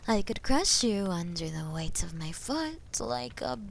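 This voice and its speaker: A woman playing a haughty, taunting female dragon in a fantasy audio drama, speaking deliberately and often dropping into breathy whispers. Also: mid-range voice, big pitch swings, slight background noise. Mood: menacing. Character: haughty, menacing female dragon toying with captive knight. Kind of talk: slow, theatrical roleplay monologue in medieval fantasy audio drama.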